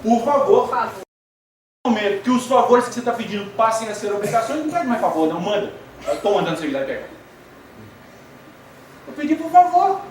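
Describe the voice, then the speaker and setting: A man with a Brazilian Portuguese accent giving a talk at a spiritist center, speaking conversationally, asking the audience questions and telling humorous anecdotes. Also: very high-pitched. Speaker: spiritist lecturer. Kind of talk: lecture to an audience. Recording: echoey hall, distant mic, faint noise.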